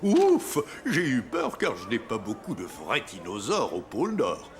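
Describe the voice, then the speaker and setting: An actor playing a jolly, kindly old Santa Claus in a children's cartoon, with a hearty, jovial manner. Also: male voice, lowish voice, a little slow. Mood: amused, jolly. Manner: jovial, hearty chuckling, expressive.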